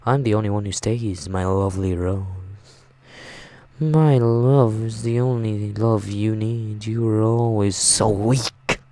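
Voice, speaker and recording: A man voicing a possessive, mocking mother in a visual novel, with cloying, drawn-out endearments. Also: fairly low pitch, fairly even intonation, a little mellow. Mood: mocking, smothering. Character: possessive, mocking, sinister mother figure, a grown woman. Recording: music behind the voice.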